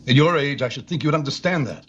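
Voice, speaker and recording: An actor playing an older, stern widowed father who bursts into shouting, with a husky voice. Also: fairly high pitch, quick pace, highs cut off, a little hiss or hum, close to an everyday voice. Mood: angry. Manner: shouting in outbursts, then quiet regret. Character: stern widowed father, bitter and quick to yell.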